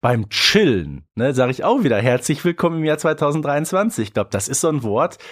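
A man's voice: fairly high pitch, big pitch swings, a little fast. A man co-hosting a podcast in casual, opinionated and playful review chat. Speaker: podcast co-host.

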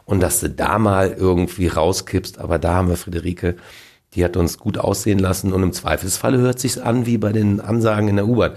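A male actor as an interview guest, telling lively stories about film sets in a casual way. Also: sits low, fairly quick. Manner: animated storytelling with acted quotes.

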